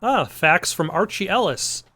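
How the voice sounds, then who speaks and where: A man's voice: high-pitched, animated, a little slow, sharp tone. A man hosting a let's play, giving casual, rambling gameplay commentary with dry jokes over music. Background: game music.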